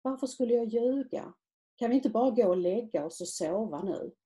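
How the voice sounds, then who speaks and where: A woman author reading aloud from her own novel in a measured, quiet literary manner. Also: fairly high pitch, lively intonation.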